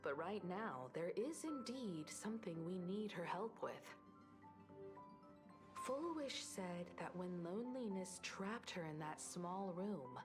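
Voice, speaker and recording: A composed female game companion. She has a slightly low voice and a level-headed, matter-of-fact delivery, with music behind her. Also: expressive, takes it slowly. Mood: composed, explaining. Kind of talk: scripted game dialogue.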